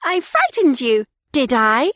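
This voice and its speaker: A high, squeaky little pig who answers back boldly, as a woman reader plays him. The lines leap up in pitch and land loud. The sound is close and dry. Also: huge pitch swings, takes it slowly, dry recording, heavily acted. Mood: gloating. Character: small young male pig, squeaky and defiant.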